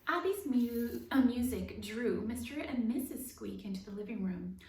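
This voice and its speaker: A woman reads a picture book aloud for children, narrating with expression. Her voice is on the high side. She sounds set back from the mic in a reverberant room with faint noise. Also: animated, moderate pace, darkish tone. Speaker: children's storytime reader. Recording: roomy echo, distant mic, faint noise.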